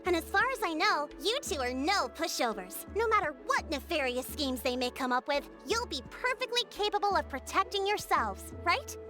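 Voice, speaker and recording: A courteous, formal tribal chief. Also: female voice, very high-pitched, big pitch swings, music in the background. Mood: pleased. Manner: polite, measured, formal storytelling. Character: gracious tribal chief woman, composed and diplomatic. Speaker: tribe chief. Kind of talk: video game voice acting.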